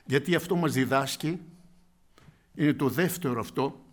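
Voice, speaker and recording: A man preaching a fervent sermon, speaking directly to his listeners as brothers and swinging between quiet asides and loud outbursts. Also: medium pitch.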